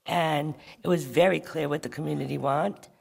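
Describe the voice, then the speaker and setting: Gravelly councilwoman in a big echoey hall. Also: sits low, fairly even intonation, moderate pace, a little mellow. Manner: firm, insistent, repeats points. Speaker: town council member. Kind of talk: public meeting remarks. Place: large school auditorium. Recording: long hall reverb.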